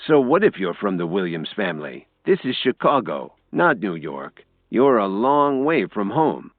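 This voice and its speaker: A man voicing a serious, steady man in an audiobook, speaking firmly. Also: on the low side, a little slow, dry recording. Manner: serious and firm. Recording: dry, tinny phone-like sound.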